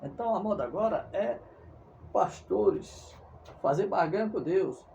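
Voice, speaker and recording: A Brazilian man preaching with heated insistence, hammering the same points again and again and tripping over words as he goes. His voice sits a little high for a man but sounds dark and mellow in tone. A faint hiss of noise runs underneath. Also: animated, unhurried. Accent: Brazilian Portuguese. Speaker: evangelical preacher. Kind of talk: fervent preaching monologue.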